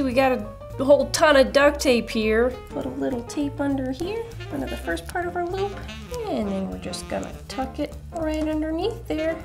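Bubbly high-voiced woman hosting kids' crafts. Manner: bubbly, playful, jokey asides. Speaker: kids' craft show host. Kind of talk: upbeat craft tutorial for children.

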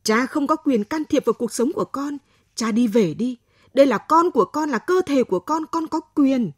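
Give me a woman voicing a bitter, defiant young student from an audio story. Her voice is high, sharp and rising. It is husky and dry. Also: lively intonation, normal speed, no echo.

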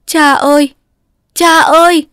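A woman voicing a small young girl crying out desperately to her father, high and sobbing. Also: normal speed, no room sound, clean studio sound, lightly acted. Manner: high cries.

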